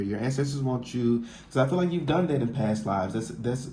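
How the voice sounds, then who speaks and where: Somewhat breathy and with an American accent, a man at medium pitch makes very wide pitch swings amid audible room echo. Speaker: tarot card reader. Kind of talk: tarot reading monologue. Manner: hesitant, many fillers.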